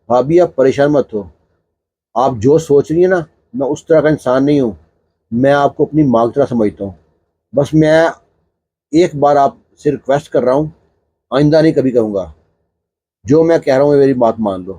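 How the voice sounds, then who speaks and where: A man's voice: mid-range voice, pauses often, warm tone, husky, dry recording, close to an everyday voice. A man voicing a drunk, pleading young brother-in-law.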